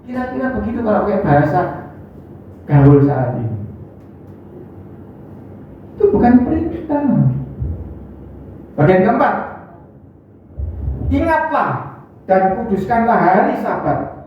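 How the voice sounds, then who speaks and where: A preacher delivers a lively sermon, firing off rhetorical questions. The voice rings through a very echoey hall from a distance. The mic sounds dull and muffled, with faint ambience behind. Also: mid-range voice, takes it slowly, pauses often, a little hiss or hum. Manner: animated, rhetorical questions, acts out dialogue.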